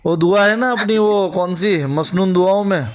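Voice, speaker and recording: A man's voice: sits high, moderate pace. A man arguing persistently on a recorded phone call, addressing the other man with honorifics and talking over him. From Gujarat, India. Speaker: caller questioning a cleric on a recorded phone call. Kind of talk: argumentative phone conversation.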